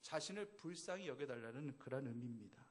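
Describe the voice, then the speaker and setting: A pastor from Seoul preaches a sermon at a church service, emphatic and sometimes playful with the congregation, his phrases rising and swelling. His voice is medium-pitched, brisk, and lively in intonation.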